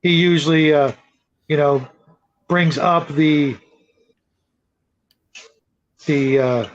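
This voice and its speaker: The audio is dull and lo-fi. A middle-aged man with a fairly high voice hosts a relaxed live chat. He rambles along hesitantly, often circling before he gets to his point. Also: slow pace. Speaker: show host. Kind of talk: casual live-stream chat.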